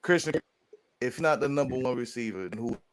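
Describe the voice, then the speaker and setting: Guy calling in on a choppy connection, keeps breaking up, talks quick, dry sound. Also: mid-range voice, lively intonation, no echo. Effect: choppy connection breaking up and cutting out. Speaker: remote caller on a live show. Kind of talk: casual chat.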